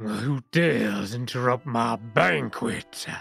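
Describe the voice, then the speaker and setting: A man puts on a raspy character voice at a medium pitch, speaking very slowly over faint background music. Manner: intimidating, imperious.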